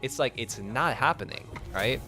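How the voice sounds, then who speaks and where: A man's voice: medium pitch, animated, moderate pace, bright, forceful tone, faint music behind. A young man streaming a game, telling a story in a casual, rambling way with lots of swearing and "like" fillers. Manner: rambling, profane, heavy use of "like". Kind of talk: casual storytelling while playing.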